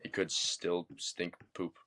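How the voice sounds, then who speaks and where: A man with a very low voice, co-hosting a casual sports podcast. He is from Baltimore and talks bluntly, swearing freely and mocking with sarcasm. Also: flat delivery, takes it slowly, pushed and bright. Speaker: podcast co-host.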